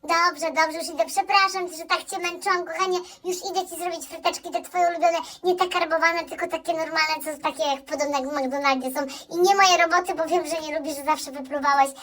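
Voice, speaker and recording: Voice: very high-pitched, slow pace, pauses often, a bit bright, full character voice. A performer playing a doting mother in a comedy sketch who apologizes and coos at her spoiled son. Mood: fawning. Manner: cooing, fawning, apologetic. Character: doting, fawning mother, apologetic and soft-spoken woman. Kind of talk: comedy sketch role-play.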